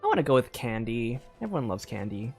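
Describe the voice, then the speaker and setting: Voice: mid-range voice, big pitch swings, fast, soft background music. A streamer casually commenting on a story game, rambling and laughing between thoughts.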